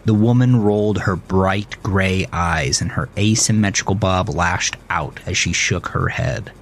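Slow, low-voiced man narrating a thriller. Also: a little hiss or hum. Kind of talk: scripted story narration of a thriller.

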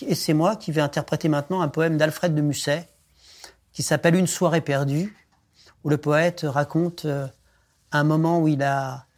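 High-voiced man reciting poetry. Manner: measured, expressive declamation.

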